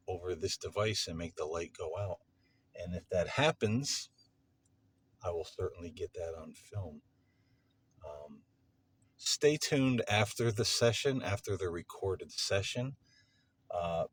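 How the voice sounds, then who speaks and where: A man talking casually and unscripted to camera as a paranormal vlog host, with a halting delivery that pauses mid-sentence. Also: low-pitched, slight background noise. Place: parking lot at night.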